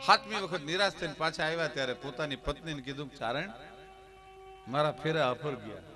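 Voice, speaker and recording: A male folk storyteller with a Saurashtra Gujarati accent, performing on a live stage. His delivery is impassioned and climbs toward near-shouted peaks. Clear musical accompaniment plays under his voice throughout. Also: a little high.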